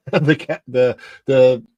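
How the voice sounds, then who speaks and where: A man's voice: mid-range voice, steady tone, drawn-out words, dark tone, no room sound, lo-fi sound. A man hosting a casual live stream over a video call, rambling and restarting sentences while his audio keeps cutting in and out at uneven volume. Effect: audio dropping in and out, uneven volume. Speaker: live show host.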